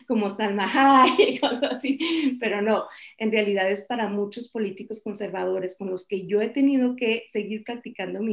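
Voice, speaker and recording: A woman in her forties, a journalist speaking on a conference panel over a video call, candid and lively with joking asides. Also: medium pitch, gravelly. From Mexico. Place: home office, indoors.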